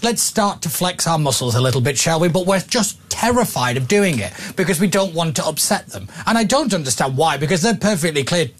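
A man's voice: a little high, animated, a little fast, hardly any pauses. A man in an opinionated chat show, ranting indignantly.

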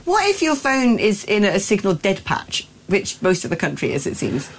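A woman's voice: mid-range voice, wildly swooping pitch, normal speed, a little hiss or hum. An English woman hosting a radio talk show, chatty and wry, sounding a bit under the weather with a virus. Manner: chatty, wry, reads listener messages aloud. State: unwell, says she has a virus. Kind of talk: casual radio chat.

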